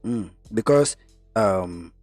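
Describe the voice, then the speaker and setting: A man from Cameroon talking about his business in a podcast conversation, getting animated when he stresses a point. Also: lowish voice, slow, no echo, soft background music. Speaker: guest investor.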